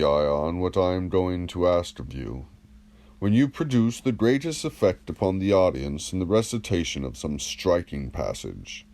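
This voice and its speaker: Guy reading as a deep voiced old-world philosopher, measured, teachy, keeps posing questions, classical audiobook. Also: darkish tone. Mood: probing. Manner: measured, didactic, rhetorical questioning.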